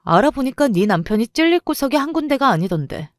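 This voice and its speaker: A woman's voice: a little high, very animated, fast, no room sound, clean studio sound, voice pushed up. A woman voicing a furious mother who cuts down her old school bully in a cold, cutting way. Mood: cold fury.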